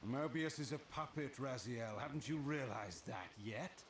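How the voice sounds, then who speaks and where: An actor playing a scheming ancient vampire lord in a video game, with a grave, deliberate, theatrical delivery. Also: male voice, medium pitch, echoey room, slight background noise, lightly acted. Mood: sardonic, knowing. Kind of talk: dramatic video game voice acting.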